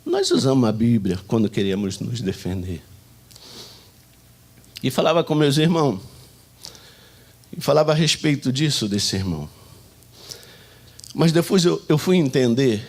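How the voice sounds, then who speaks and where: A Brazilian man preaching a Sunday sermon, telling stories and acting out shouts and prayers as he goes. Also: mid-range voice, normal speed, long pauses. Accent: Brazilian Portuguese. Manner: animated storytelling, acting out shouts and quoted prayers. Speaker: pastor.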